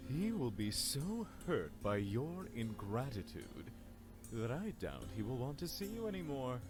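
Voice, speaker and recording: A man voicing a cruel, mocking grand vizier in a visual novel game, with smug, drawn-out, taunting delivery. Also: mid-range voice, sing-song, pitched above the performer's own voice. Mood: gloating. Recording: music playing behind the voice.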